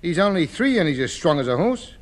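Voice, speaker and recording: An actor playing a cheeky, coaxing rag-and-bone dealer in a 1950s radio sitcom. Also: male voice, fairly high pitch, very animated, brisk. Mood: wheedling.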